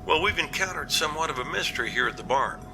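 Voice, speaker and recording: A man playing an earnest, cautious captain in an amateur audio drama, reporting in a measured, matter-of-fact way. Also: fairly high pitch, animated, pushed and bright, a little hiss or hum, full character voice. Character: male captain, earnest, practical, cautious, plain-spoken.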